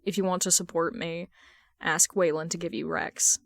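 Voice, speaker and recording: A woman's voice: fairly low pitch, level tone, moderate pace, gravelly, no echo. A woman reading the part of a teasing young man, a sarcastic best friend with a casual manner, in a story.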